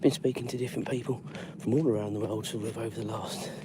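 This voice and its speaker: A man's voice: lowish voice, steady tone, fast talker, background noise. Chatty man strolling outdoors. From London. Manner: rambling, chatty, lots of fillers. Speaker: vlogger walking his dog. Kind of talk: live-stream walking chat. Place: outdoors on a residential street in drizzle.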